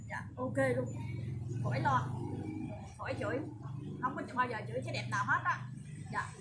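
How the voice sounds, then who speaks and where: High-voiced southern Vietnamese woman selling live. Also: normal speed, loud music behind the voice. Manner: chatty, repetitive, emphatic assurances. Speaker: online shop seller. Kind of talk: livestream sales pitch. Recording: distant mic with loud background noise.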